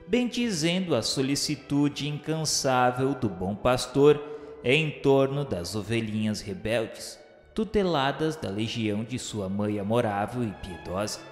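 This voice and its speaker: A man's voice: medium pitch, lively intonation, measured pace, close to an everyday voice. A Brazilian man playing a remorseful male spirit who narrates a radio novela in solemn, formal, literary diction. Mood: solemn, reverent. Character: remorseful male spirit of a suicide recalling the afterlife. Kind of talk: dramatized first-person narration of a radio novela. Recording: echoey hall reverb with music.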